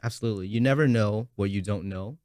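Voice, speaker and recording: A young adult man answering interview questions in a calm, measured way. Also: on the low side, no room sound, clean studio sound. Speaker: interview guest. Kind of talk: casual interview.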